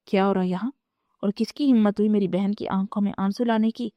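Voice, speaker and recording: A woman's voice: mid-range voice, steady tone, no echo, highs cut off, lightly acted. A woman voicing an angry, protective older brother in a storybook reading, furious and bitter.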